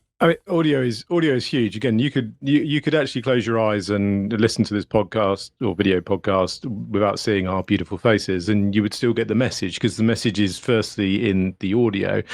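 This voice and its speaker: With a dry, close sound and no echo, a man talks at a fairly quick pace using ordinary pitch variation. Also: fairly low pitch for a man. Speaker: technology industry director. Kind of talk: casual chat. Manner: fast.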